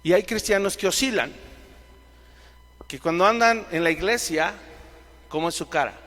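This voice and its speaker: A man with a Mexican accent leading a Bible lesson to a live audience in a church hall. His fairly high voice keeps throwing questions at the listeners. A long reverb hangs on every phrase. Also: moderate pace. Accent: Mexican Spanish. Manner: questions the audience directly, lively. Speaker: Bible teacher. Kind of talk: sermon-style Bible teaching.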